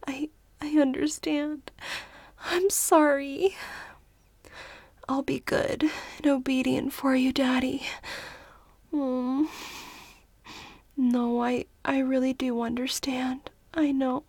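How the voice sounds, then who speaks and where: A young woman whispering and pleading softly into a close microphone in an adult audio roleplay. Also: sits high, level tone, takes it slowly, pauses often, dry recording. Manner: mostly whispered, pleading and breathy.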